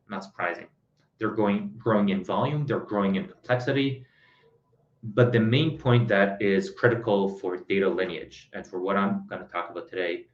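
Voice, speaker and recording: Man with a cold, fairly low voice, roomy echo, dull lo-fi sound, presenting a tech talk. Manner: relaxed, self-deprecating, many "uh" fillers. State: has a cold. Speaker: product executive, conference speaker.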